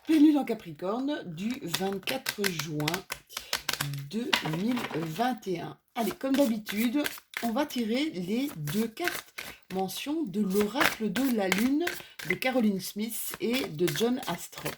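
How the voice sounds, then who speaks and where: A woman's voice: mid-range voice, lively intonation, slow, background noise. Chatty French-speaking woman reading oracle cards. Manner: chatty, self-mocking, drifts off topic. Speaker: astrology and oracle card reader. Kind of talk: casual card reading.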